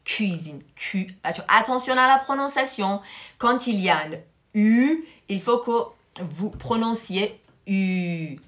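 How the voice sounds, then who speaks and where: A woman French teacher whose first language is Persian, giving a live online class and switching between French and Persian. She repeats each vocabulary word slowly and stresses its pronunciation. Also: mid-range voice, animated, a bit bright.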